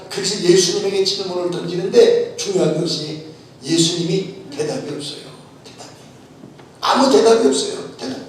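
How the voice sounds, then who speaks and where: A man's voice: high voice, a little mellow. A male pastor preaching a sermon with emphasis, often telling listeners to listen closely and asking rhetorical questions. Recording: echoey hall from far off, faint noise.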